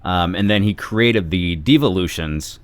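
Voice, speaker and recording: A man with a slightly low voice, recorded very dry, chats as a podcast guest. He lays out his speculation in an easy, explanatory, conversational way. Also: measured pace, no room sound. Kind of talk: casual chat, speculative fan discussion.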